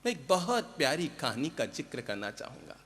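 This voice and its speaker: A man delivers a sermon in a bright, forceful voice that sits somewhat high. He acts out the voices in his story, climbing to loud emphatic peaks and then dropping soft and low. A long reverb trails his words. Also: very animated, a little fast, slight background noise. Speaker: Jain monk preacher.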